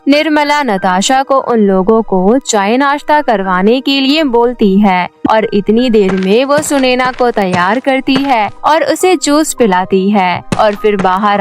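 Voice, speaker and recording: A woman narrator reads a scripted bedtime tale. Her voice is high, with light music underneath.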